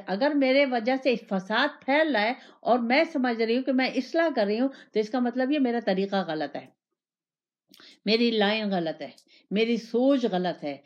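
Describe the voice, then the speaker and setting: A woman giving an Islamic sermon, repeating phrases and asking rhetorical questions in the first person. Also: fairly high pitch. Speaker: religious teacher. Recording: dull lo-fi recording.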